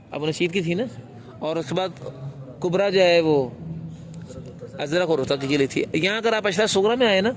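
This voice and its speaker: A man teaching a class on the rules of Quran recitation, asking his students questions and answering them himself. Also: sits high. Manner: briefly chants a recitation demonstration.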